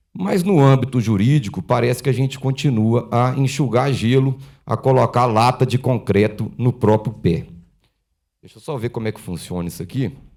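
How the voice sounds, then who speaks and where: In a Minas Gerais accent, a man with a dark, mellow tone talks at a moderate pace on a very clean recording with a silent background. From Minas Gerais, Brazil (Viçosa). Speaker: legislative consultant. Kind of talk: conference talk. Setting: panel with live audience.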